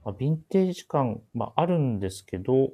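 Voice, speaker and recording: A man hosting a menswear shop radio show, talking casually and politely about clothes, often pausing to think aloud. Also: mid-range voice, sing-song, slightly rough, highs cut off. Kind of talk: casual radio-style talk introducing clothes.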